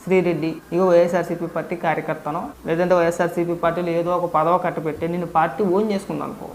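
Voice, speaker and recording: A man's voice: a little high, little pitch movement, rapid-fire, slight background noise. A man ranting straight at the camera as an online political commentator, lecturing and firing off rhetorical questions. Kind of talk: scolding direct-to-camera rant.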